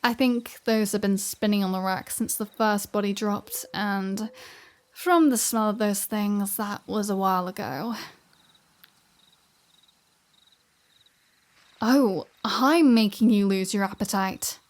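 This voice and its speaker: A woman's voice: medium pitch, measured pace, natural voice. A woman playing a flirty, sardonic vampire in a scripted ASMR roleplay audio drama, with breezy, sarcastic banter. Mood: teasing, casual.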